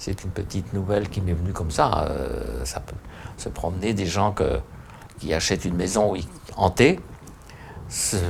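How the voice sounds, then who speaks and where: A man's very deep, low voice at a fairly slow pace, with ordinary pitch variation and noticeable background noise. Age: 70s. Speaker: author. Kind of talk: interview. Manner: halting.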